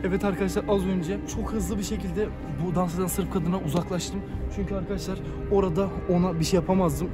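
A young man hosting a night-time horror vlog outdoors, excitable and panicky, often shouting and speaking straight to his viewers. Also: high-pitched, fast, hardly any pauses, loud music behind the voice. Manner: keeps addressing viewers as friends. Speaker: YouTuber host.

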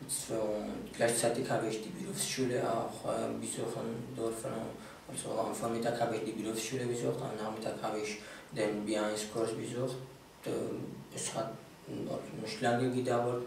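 A man's voice: lowish voice, vocal fry. A young man from Iraq whose first language is Yazidi Kurdish, giving a hesitant interview with many filler sounds and restarts, seated in a small office. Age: young adult. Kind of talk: interview about integration. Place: small office room with filing shelves. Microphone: room mic from a far camera. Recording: echoey room, distant mic, faint hiss.

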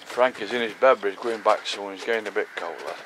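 A man's voice: on the low side, fast. Brief: middle-aged man, friendly banter, camp vlog on camera mic, noisy outdoors. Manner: chatty, affectionate banter. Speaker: vlogger filming a camping trip. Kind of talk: casual chat to camera. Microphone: handheld camera, selfie distance. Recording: outdoor camera audio with clear background noise.

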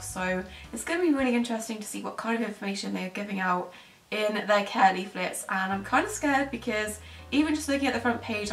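A young woman in her twenties with a British accent, giving casual commentary to camera as a pet-care vlogger. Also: medium pitch. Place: small bedroom indoors. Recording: roomy echo, distant microphone, faint music.

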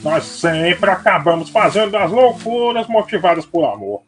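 A man's voice: high-pitched, animated, moderate pace, fairly bright tone, faint music behind. A man playing a fond, wise old father's ghost in an audio drama, colloquial and paternal. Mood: teasing, fond.

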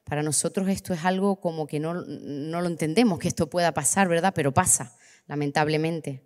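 A woman, preaching and giving her testimony, impassioned, slowing down on key words for emphasis. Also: deep voice, steady tone. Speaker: preacher leading a church workshop. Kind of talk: sermon with personal testimony. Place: church hall. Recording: long reverberant church hall.

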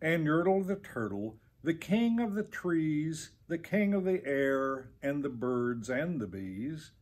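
A man's voice: on the high side, sing-song, slow pace, a little mellow. A man in his seventies reading a children's story aloud expressively, like a teacher to students. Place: indoor room with tiled drop ceiling.

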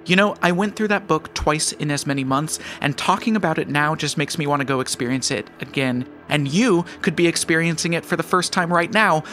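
Podcast sponsor read: male, slightly high pitch, bright forceful tone, light music underneath. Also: brisk, few pauses. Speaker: podcast creator reading sponsor message.

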